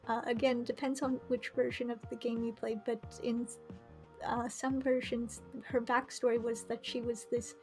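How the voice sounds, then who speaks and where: A woman hosting a game livestream, chatting casually and thinking aloud in a musing, halting way. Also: a little high, darkish tone. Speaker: livestream host playing a visual novel. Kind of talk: casual livestream commentary and chat.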